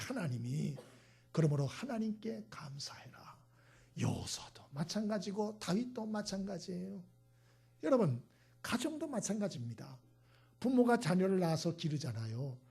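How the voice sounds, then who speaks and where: A middle-aged male pastor preaching a sermon, asking rhetorical questions, acting out quick voices and sometimes dropping to a whisper. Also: high voice, very animated, husky.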